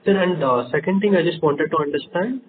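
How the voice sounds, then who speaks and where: A man asking halting questions over a bad phone connection that keeps breaking up. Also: fairly high pitch. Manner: halting, many fillers, repeats himself. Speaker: analyst asking questions on an earnings call. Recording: tinny phone line.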